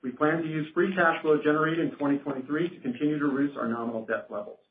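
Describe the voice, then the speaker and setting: A man's voice: on the high side, steady tone, fast talker, slight background noise. Man on a roomy, phone-like line. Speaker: company finance executive on an earnings call. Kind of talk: formal scripted financial presentation. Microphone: conference phone call.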